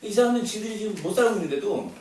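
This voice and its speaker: A man's voice: high voice, lively intonation, very fast, darkish tone. A man giving a casual lecture to an audience, talking conversationally with frequent fillers and repeated words. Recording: very echoey room, distant mic, faint noise.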